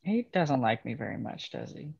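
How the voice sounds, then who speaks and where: A man playing a bitter young railroad worker in a dramatic table read, speaking in a halting, understated way. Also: mid-range voice, sing-song, gravelly, a little mellow, breathy edge, muffled recording, heavily acted. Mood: playful, wry. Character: bitter young railroad man estranged from his ruthless father.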